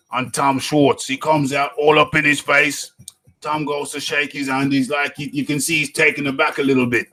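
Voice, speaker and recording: A man's voice: a little high, a bit bright. A man hosting a live boxing talk stream, repeating phrases, joking and hyping his viewers. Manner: repeats phrases, hypes viewers, jokes around. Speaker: boxing talk show host.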